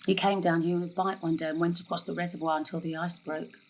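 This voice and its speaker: A woman's voice: fairly low pitch, flat delivery, fast. An actress playing a weary, guarded middle-aged mother with a terse, exasperated manner in an audio drama. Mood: subdued, guarded.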